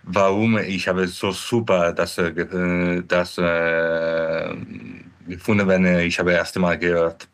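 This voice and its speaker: A man from Italy with an Italian accent, speaking haltingly and searching for words as a podcast guest. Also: low voice, level tone. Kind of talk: casual chat.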